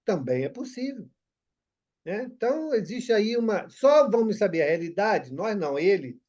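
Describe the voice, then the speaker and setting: A man's voice: sits high, very animated, moderate pace, darkish tone, dull audio. A man coordinating a group study discussion, repeating his points for emphasis.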